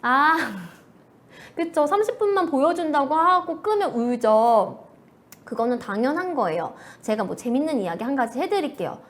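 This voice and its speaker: A woman's voice: sits high, very animated, moderate pace. A young adult woman giving a live online lecture on early childhood education to parents, acting out parents and children in quoted lines. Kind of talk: live online lecture answering viewer questions.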